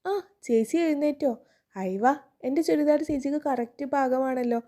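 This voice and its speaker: A woman voicing a chatty, cheerful young woman who is caring but blunt, talking in a lively, affectionate way. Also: high-pitched, normal speed, natural voice. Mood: cheerful, alarmed.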